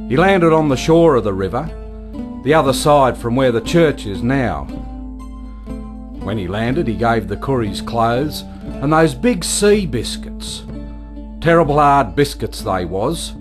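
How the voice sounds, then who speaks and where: An actor playing a plain-spoken Aboriginal storyteller recalling family lore in a colloquial, folksy way for a radio play. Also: mid-range voice.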